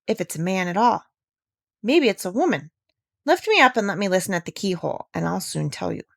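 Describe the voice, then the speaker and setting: A woman's voice: mid-range voice, very animated, fairly quick, vocal fry, no room sound, clean studio sound. A woman voicing a proud, self-assured owl in a storybook, speaking with insistence and precision. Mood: concentrating. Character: self-assured owl, keen listener, proud of sharp ears.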